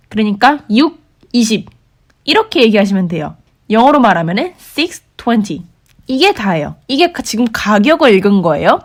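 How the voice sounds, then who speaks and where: Young woman teaching english prices, patient and clear, bouncy higher voice. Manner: clear, patient, slows down to model English words. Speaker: English teacher for working holiday makers. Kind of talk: explanatory language lesson.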